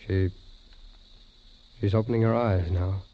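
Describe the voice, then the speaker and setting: An actor playing a doctor's haunted, hesitant associate in a 1940s radio drama. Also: male voice, sits low, fairly even intonation, measured pace. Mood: tense, halting. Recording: muffled vintage 1940s radio recording.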